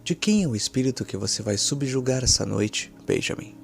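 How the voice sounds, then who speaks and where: A man's voice: mid-range voice, animated, a little fast, creaky, soft background music. A man voicing a pale, delicate young woman in an audio horror story, submissive, frightened and pleading. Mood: uneasy. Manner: resigned, pleading.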